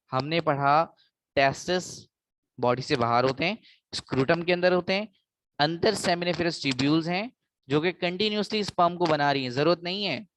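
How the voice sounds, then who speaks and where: A man's voice: fairly high pitch, low-quality recording. A man with a South Asian accent giving an explanatory biology lecture, mixing in English and repeating key phrases for emphasis.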